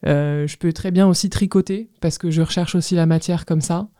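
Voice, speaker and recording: A woman's voice: on the low side, steady tone, fairly quick, mellow, dry recording, clean studio sound. A woman in her thirties answering casually as an interview guest, hesitant and often searching for words. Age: 30s. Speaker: guest artist, ceramicist.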